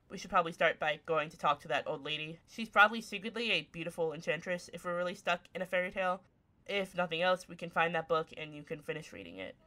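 A woman's voice: on the low side, pushed and bright. A voice actress playing a grumpy tsundere young woman turned half cat, snappy, sarcastic and easily flustered, in a one-sided ASMR roleplay. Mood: grudging, sardonic. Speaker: voice actor.

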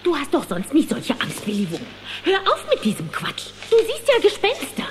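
A woman's voice: sits high, huge pitch swings, normal speed, slight background noise. A woman playing a bossy, practical worm wife in a children's audio drama, with a theatrical manner. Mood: scolding. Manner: scolding, dramatic.

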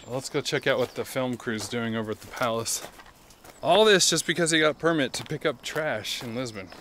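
A man in his thirties talking casually and excitedly as he walks through the overgrown grounds of a ruined palace, recorded outdoors on a clip-on mic. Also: mid-range voice, brisk, a little hiss or hum. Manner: excited, chatty, wondering aloud. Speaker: travel vlogger. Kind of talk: casual walking commentary.

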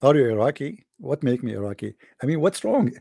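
A man's voice: mid-range voice, fairly quick, creaky, husky, dry recording, studio quality. A man from the Arab world, giving sarcastic commentary on a text he reads. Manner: sarcastic, deadpan mocking. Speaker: host.

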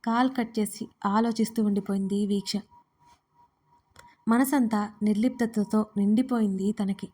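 A woman narrating a romance story in an even, steady reading style. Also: mid-range voice, normal speed.

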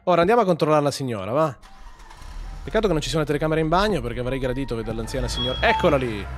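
Man, gaming host, jokey let's-play commentary, swears, yelps at scares, mid pitch. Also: lively intonation, racing, soft background music. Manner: joking, swears, yells when startled.

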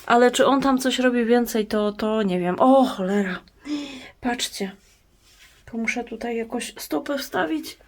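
A woman with a slightly high voice gives a relaxed plant-care vlog from her indoor grow box. She chats to her viewers and coos tenderly at each plant as she checks it. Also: measured pace. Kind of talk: casual talk while tending plants.

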